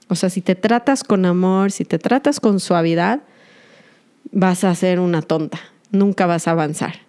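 Warm-voiced earnest woman podcaster. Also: medium pitch. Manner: earnest, confessional, addresses listeners directly. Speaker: podcast host. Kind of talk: reflective podcast monologue.

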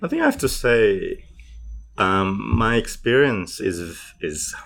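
A man in his thirties from Indonesia, speaking English as an interview guest, thoughtful and halting with many fillers. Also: fairly low pitch, wildly swooping pitch, vocal fry, a bit bright. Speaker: guest, poet and PhD student. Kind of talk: casual interview answers.

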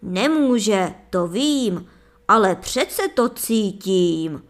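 Woman doing a loud, proud fairy-tale sorcerer, slow and commanding. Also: mid-range voice, animated, close to an everyday voice. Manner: bellowing, slow and demanding. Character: menacing male sorcerer, gruff, suspicious, iron-eating.

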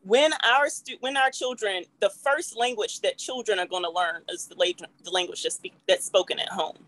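A woman's voice: mid-range voice, normal speed, fairly bright tone, poor audio. A woman with an African American accent speaking emphatically in a group discussion, often checking for agreement. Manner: emphatic, seeks agreement with "right?". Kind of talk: animated panel discussion.

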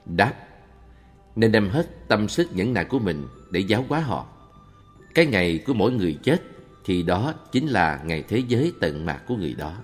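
Deep-voiced man reading Buddhist answers. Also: big pitch swings, a little fast. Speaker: reader of a monk's answers. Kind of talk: calm read-aloud Buddhist Q&A. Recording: long reverb with faint background music.

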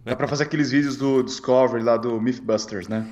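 A man co-hosting a podcast, chatting casually with short relaxed replies. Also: medium pitch, fairly quick, dull audio. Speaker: podcast co-host. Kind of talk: casual chat.

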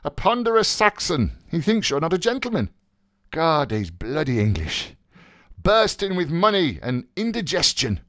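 A man's voice: a little high, sing-song, moderate pace, fairly bright tone, dry recording, studio quality, pitched above the performer's own voice. A man voicing an exuberant, mocking young joker who declaims with mock solemnity in a dramatised novel reading. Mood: scornful.

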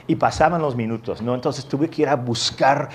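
A man's voice: medium pitch, normal speed, a little hiss or hum. Man preaching through a self-mocking story. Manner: animated, self-mocking anecdote with lively voiced quotes. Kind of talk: storytelling sermon.

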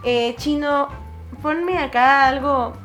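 A woman's voice: sits high, slow pace, fairly bright tone, faint music behind. A young woman with a Mexican accent hosting a casual radio show, chatty and playful, often laughing.

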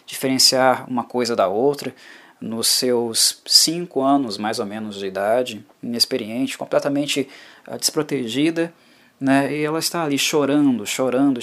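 A man's voice: medium pitch, fairly bright tone. A man hosting a book club podcast, giving a reflective and heartfelt solo analysis of a novel. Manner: reflective, heartfelt, often tags phrases with a questioning filler. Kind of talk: solo literary analysis monologue.

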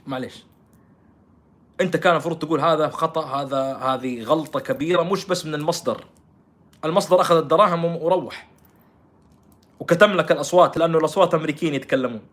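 Fast-talking man, scornful commentary. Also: fairly high pitch. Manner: scornful, rhetorical, jumps between loud and quiet. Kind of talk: political commentary.

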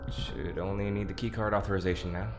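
An actor playing an earnest, anxious prisoner in an audio drama, speaking haltingly. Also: low-pitched, steady tone, over music. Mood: wistful, hesitant. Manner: hesitant, halting. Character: anxious, earnest prisoner, hesitant conspirator in escape.

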